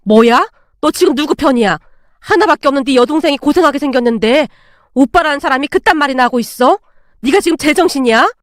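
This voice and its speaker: A woman's voice: lively intonation, fairly quick, no room sound, clean studio sound. A woman voicing a scolding older mother-in-law. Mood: indignant. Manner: shrill, scolding.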